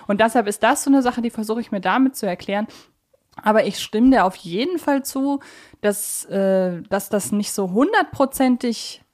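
A woman talking casually as a podcast co-host, explaining her points in a measured, conciliatory way. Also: a little high, animated, darkish tone. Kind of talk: casual, discursive podcast discussion.

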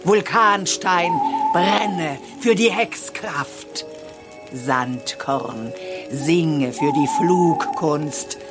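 Solemn witch chanting spells real slow, kids audio drama, magic music behind. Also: low voice. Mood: solemn incantation. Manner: incantatory, declaiming. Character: solemn, commanding witch leading a magic ceremony. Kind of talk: children's audio drama acting.

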